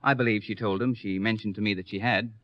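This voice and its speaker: An actor playing a courteous, careful lawyer in an old radio detective serial, speaking in a measured, matter-of-fact way. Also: male voice, lowish voice, steady tone, no room sound, natural voice. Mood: careful, polite. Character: courteous, measured professional male lawyer being questioned. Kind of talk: 1950s American radio detective serial acting. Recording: dry, dull old radio recording.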